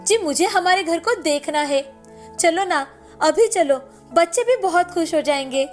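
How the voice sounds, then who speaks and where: A woman's voice: extremely high pitch, expressive, measured pace, soft background music. A woman voicing a devoted, emotional wife in a cartoon story, speaking eagerly and affectionately. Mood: excited.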